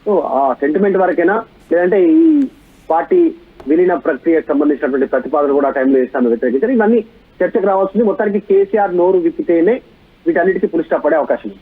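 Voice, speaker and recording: A husky-voiced man gives live news analysis at a quick pace. He stacks points in repeated lists and rhetorical questions, over dull lo-fi broadcast audio. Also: a little high, sing-song.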